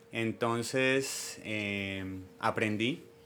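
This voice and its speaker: Over noticeable background noise, a man speaks at a medium pitch in a monotone with flat intonation. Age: 30s. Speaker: baker and business owner. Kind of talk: interview.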